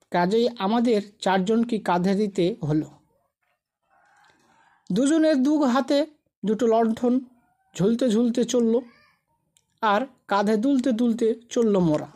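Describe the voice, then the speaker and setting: High-pitched woman narrating a ghost story. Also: slow pace, long pauses, warm tone.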